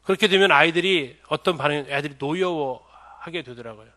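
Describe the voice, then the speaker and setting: Speaking a little fast in a slightly high, sharp voice, a middle-aged pastor lectures at a church seminar about child-rearing. He keeps asking the audience questions.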